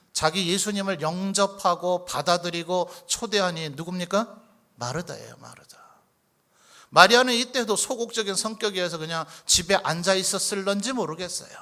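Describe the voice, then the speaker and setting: A man preaching in a church, his voice sitting a little high and sounding bright and forceful. He keeps the congregation engaged with rhetorical questions and briefly acts out the lines he quotes. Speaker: pastor. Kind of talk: sermon. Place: church sanctuary.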